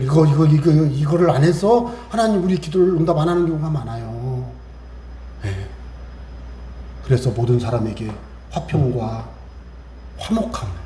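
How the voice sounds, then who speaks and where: A man's voice: medium pitch, warm tone. A man preaching a Sunday sermon in a chatty way, quoting scripture and acting out small exchanges. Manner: conversational preaching, acts out little exchanges and quotes scripture. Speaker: pastor. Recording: echoey church room, faint hiss.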